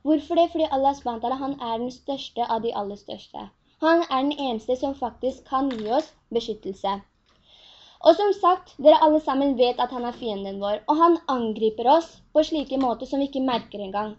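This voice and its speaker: A woman teaching a Quran class, earnest, often asking her students questions. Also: fairly high pitch. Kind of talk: religious lesson in Norwegian. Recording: dull lo-fi recording.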